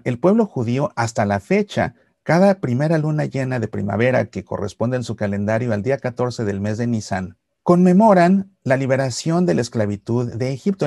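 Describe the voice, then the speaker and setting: A middle-aged man giving a Catholic reflection to camera, explaining patiently and slowing for solemn lines. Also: mid-range voice, dry recording, clean studio sound. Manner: warm explanatory storytelling, slows for solemn lines. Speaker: Catholic YouTuber. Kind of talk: reflective religious talk to camera. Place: Seattle archdiocese series.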